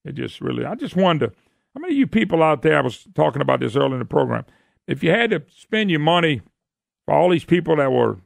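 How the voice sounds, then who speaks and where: Man, radio host, very gravelly, slightly high voice, emphatic rhetorical questions. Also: no room sound, studio quality. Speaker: radio talk show host. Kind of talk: political call-in radio talk. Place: radio studio.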